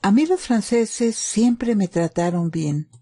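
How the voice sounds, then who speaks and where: Woman doing a calm soldier guy in a war story, mellow, protective, giving instructions. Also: medium pitch, slow, no echo, clean studio sound, pitched above the performer's own voice. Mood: reassuring. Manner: instructing, reassuring. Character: calm, protective German soldier, adult man.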